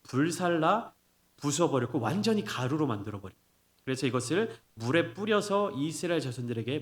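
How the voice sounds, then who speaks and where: A man preaching a sermon as pastor, explaining the passage with rhetorical questions he answers himself. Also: a little high. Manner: acts out scolding quotes in lively bursts.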